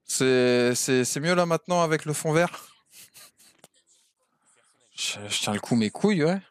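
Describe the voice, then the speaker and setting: A man's voice: on the high side, expressive, a little slow, smooth, no echo. Man chatting casually on stream. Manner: hesitant, restarts a lot. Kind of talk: casual out-of-character chat.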